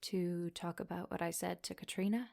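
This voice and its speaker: A woman's voice: fairly low pitch, steady tone, normal speed, vocal fry, darkish tone. A woman playing a guarded teenage Catholic schoolgirl who narrates her own memories in a serious way in an audio drama. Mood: wary, subdued. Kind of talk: first-person audio drama narration and dialogue.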